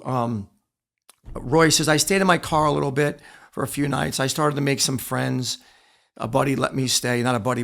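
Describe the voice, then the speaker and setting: A man with a creaky, gravelly voice tells candid stories as an interview guest. He is emphatic and often repeats a phrase to drive it home. His pitch sits in an ordinary middle range. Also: fairly bright tone. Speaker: interview guest, former wrestler and coach. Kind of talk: candid storytelling in a podcast interview.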